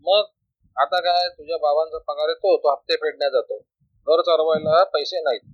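A man's voice: a little high, steady tone, normal speed, dry recording, lightly acted. A man voicing a worried, tearful older mother who complains and pleads, in a storybook reading on a dull lo-fi recording.

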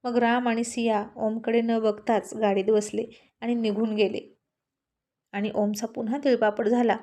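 A woman storyteller narrating a romance tale in a steady, expressive way. Her voice sits fairly high and sounds mellow and warm rather than bright. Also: a little slow.

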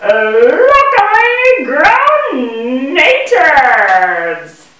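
A gentle talking bee from a children's puppet show, voiced by a woman. The delivery is theatrical and swoops up and down at a very unhurried pace. It is picked up from far off in a very echoey room. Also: high-pitched, huge pitch swings, full character voice. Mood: pleading. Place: indoor room with puppet stage. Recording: echoey room, distant microphone.

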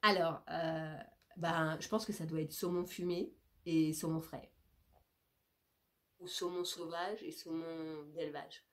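In her leafy-wallpapered bedroom, a fifty-something French vlogger chats to a close camera about her groceries, her nose a little stuffed up from a cold. She speaks slowly in a low, slightly bright voice with fairly even intonation and frequent pauses. Playful and chatty, she breaks into coos and baby talk for her cat from time to time.

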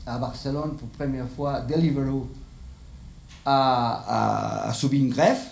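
A man's voice: mid-range voice, fairly even intonation, unhurried, vocal fry, darkish tone. A middle-aged man with a Spanish accent, a non-native speaker giving a live lecture and often searching for his words. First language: not French, speaks it as a foreign language. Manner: hesitant, searching for words in a second language. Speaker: conference speaker. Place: indoor lecture room with seated audience. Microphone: handheld microphone. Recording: echoey room, slight background noise.

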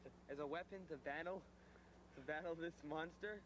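A teenage boy playing a panicked boy who wants to avenge his friends, talking in an excited, rambling way in a homemade school video. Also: a little high, fairly quick, natural voice. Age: teens. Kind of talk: amateur school video acting. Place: woods outdoors. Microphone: camcorder mic. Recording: noisy old camcorder tape.

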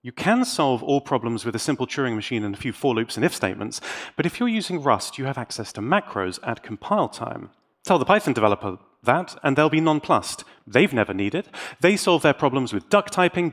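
A British man delivering a scripted tech talk as a conference speaker, theatrical and wry, with dramatic pauses. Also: mid-range voice, big pitch swings, a bit bright. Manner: wry, tongue-in-cheek.

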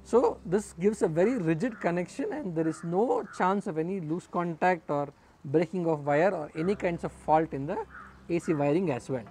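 A man's voice: on the high side, animated, normal speed, darkish tone, slight background noise. A middle-aged man, a solar engineer, explaining equipment to camera in an earnest way, often repeating words for emphasis, recorded outdoors on a rooftop garden with a lapel mic.

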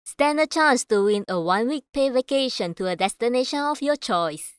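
A woman reading scripted voice-over in a measured, clearly enunciated way. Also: fairly high pitch, lively intonation, no echo, clean studio sound. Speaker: voice actor. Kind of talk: voice-over demo reading of commercials, narration and announcements.

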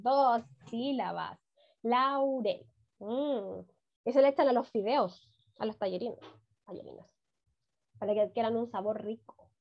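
A woman teaching a first-grade reading class over a video call, praising often and drawing words out. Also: a little high. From Chile. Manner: warm encouraging praise, drawn-out words, frequent "muy bien". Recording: dull lo-fi video call audio.

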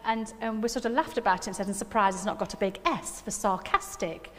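A middle-aged woman with a Nottingham accent preaches in a reverberant hall. Her voice sits at an average pitch, and she talks in a chatty, self-deprecating way, often checking in with tag questions. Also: fairly quick, a bit bright. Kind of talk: informal sermon with personal anecdotes. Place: church hall stage at a lectern. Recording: echoey hall with long reverb.

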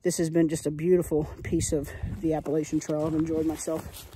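A woman's voice: deep voice, little pitch movement, brisk, mellow, a little hiss or hum, rough recording. A woman, chatting to a phone at arm's length while hiking a wooded mountain trail, upbeat and encouraging. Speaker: hiking vlogger. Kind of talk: casual vlog to camera. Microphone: phone held at arm's length.

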